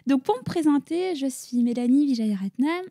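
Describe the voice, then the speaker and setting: A woman's voice: high-pitched, expressive, moderate pace, warm tone, no room sound, studio quality. A woman in her thirties from France, a clinical psychologist, talking chattily with many fillers as an interview guest in her office. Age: 30s. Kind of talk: casual conversational interview.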